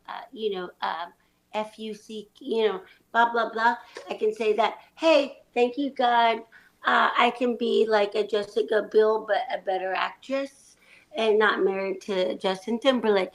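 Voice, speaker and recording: A woman's voice: on the high side, fairly bright tone, poor audio. A woman improvising a boastful, competitive film star on a reality show, talking in a brash, swaggering way and swearing freely. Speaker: improv performer. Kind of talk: improvised comedy scene.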